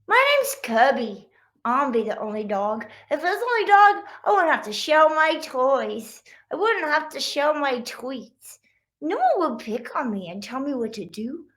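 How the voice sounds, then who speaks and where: A pouty, spoiled little girl dog from a children's storybook, acted out by a woman reader. She sounds childish and indignant, in a high, bright voice. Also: very animated, measured pace, full character voice. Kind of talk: children's storybook read-aloud.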